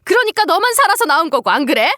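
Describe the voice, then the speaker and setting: A woman's voice: extremely high pitch, big pitch swings, quick pace, sharp tone, no echo, clean studio sound, pitched above the performer's own voice, exaggerated voice. A woman voicing a scornful older woman doctor who scolds and belittles her daughter-in-law in a dramatized story reading. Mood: outraged. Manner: sneering, scolding, contemptuous.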